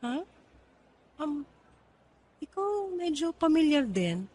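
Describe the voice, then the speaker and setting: Casting: casual, friendly thirty-year-old woman for radio drama, high pitch, slightly hesitant. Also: sing-song, takes it slowly, mellow, full character voice. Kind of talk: Tagalog radio drama acting.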